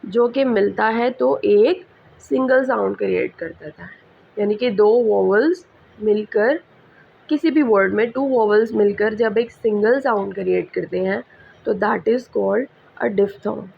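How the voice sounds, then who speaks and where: A woman with a Pakistani English accent teaching a school English lesson, speaking slowly and repeating example words. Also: medium pitch, gravelly, husky. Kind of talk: slow classroom lecture mixing Hindi-Urdu and English. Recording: slightly muffled recording with faint background hiss.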